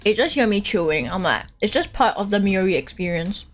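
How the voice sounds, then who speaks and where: A woman's voice: mid-range voice, brisk, faint music behind. A woman streamer chatting casually and teasing her guest while reading out chat messages. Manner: playful teasing, lively singsong delivery. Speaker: streamer host.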